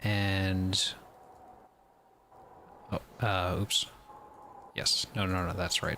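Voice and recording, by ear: Mumbling in a put-on character voice, a man with a very deep, low pitch talks at a very slow pace with long, frequent pauses.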